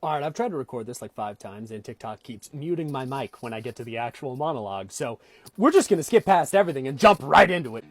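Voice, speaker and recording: A man with a Southern US accent and a husky voice, reciting a Shakespeare monologue in a casual, halting way with restarts. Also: mid-range voice, lively intonation.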